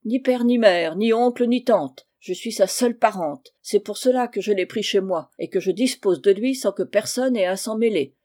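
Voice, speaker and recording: A woman voicing a miserly, spiteful older woman who talks in a shrill, hasty and grasping way. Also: expressive, normal speed, few pauses, mellow. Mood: scheming.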